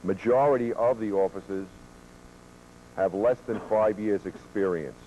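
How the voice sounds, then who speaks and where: A man who is a police officer giving a training lecture, presenting statistics in a measured way with occasional fillers, heard from a worn VHS tape copy. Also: on the low side, mellow, lo-fi sound. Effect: worn VHS tape copy with hum.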